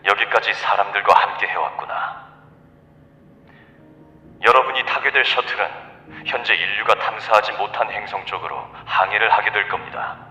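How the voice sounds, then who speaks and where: A man's voice: fairly low pitch, normal speed, bright, forceful tone, distant mic. A man playing a solemn scientist delivering a grave, formal recorded radio message in an audio drama. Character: solemn male scientist leaving a last message. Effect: radio broadcast playback. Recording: echoey, reverberant radio broadcast.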